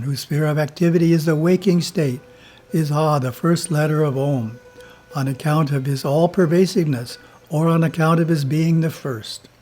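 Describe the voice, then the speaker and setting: A man who is a spiritual teacher reads his editorial in a slow, measured way and chants Om between the passages. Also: a little high, darkish tone.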